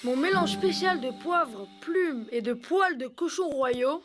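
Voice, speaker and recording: Excitable young inventor kid, bold, very high-pitched, children's animation with prominent music. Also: female voice, takes it slowly. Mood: bold, eager. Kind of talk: French children's cartoon dubbing.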